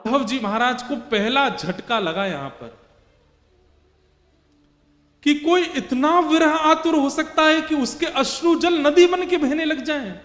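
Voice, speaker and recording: High-voiced impassioned male preacher. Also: a little slow, fairly bright tone. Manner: impassioned, repetitive build-ups. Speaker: religious storyteller. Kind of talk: devotional story sermon. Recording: echoey hall with faint music.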